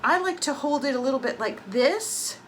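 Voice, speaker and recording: A woman violin teacher explaining techniques gently and clearly, and telling a short spooky story with growing emphasis, with violin playing between her phrases. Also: sits high, lively intonation, normal speed, slight background noise, low-quality recording. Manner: storytelling with rising dramatic emphasis. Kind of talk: violin lesson with a told story. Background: violin sound effects between phrases.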